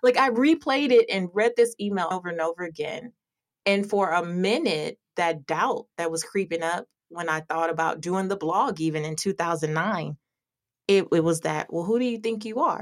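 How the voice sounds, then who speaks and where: A woman's animated, lively voice, medium in pitch, at a moderate pace, dry and close with no echo. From US, South Central Los Angeles. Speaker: financial author and podcaster. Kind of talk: interview conversation.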